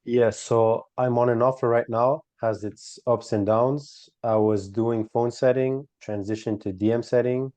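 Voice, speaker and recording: A man's voice: mid-range voice, steady tone, a little slow, hardly any pauses, warm tone, dry recording. A man from Bulgaria taking part in a coaching call over video, answering in a brief, matter-of-fact way.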